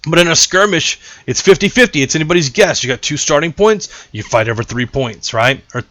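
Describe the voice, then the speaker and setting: A man hosting a casual gameplay tutorial. He talks in an animated, rambling way and throws in jokey asides. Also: fairly high pitch, brisk, dry recording. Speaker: gaming channel host.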